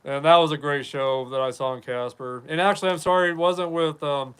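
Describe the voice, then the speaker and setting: A Wyoming man in his fifties hosts a casual live podcast, rambling and chatting as he reads viewer comments. His voice is fairly high, steady, fairly bright, clear and resonant, and he talks fairly quickly.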